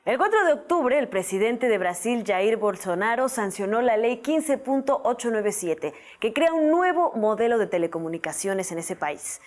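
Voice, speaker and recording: A woman's voice: fairly high pitch, animated, moderate pace, hardly any pauses, a little mellow. A woman presenting scripted news in a studio, reading in a formal, structured way.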